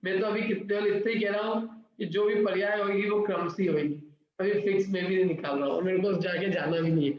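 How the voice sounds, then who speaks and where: A man's voice: high voice, steady tone, fairly quick. A middle-aged man teaching a scripture class, explaining step by step and asking the class questions. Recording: very echoey, dull lo-fi room recording.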